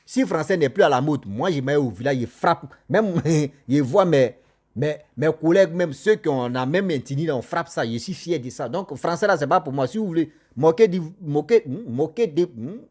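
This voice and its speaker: A man telling a spooky cautionary tale in casual spoken French, animated and repetitive, speaking straight to his listeners. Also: a little high, moderate pace. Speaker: storyteller.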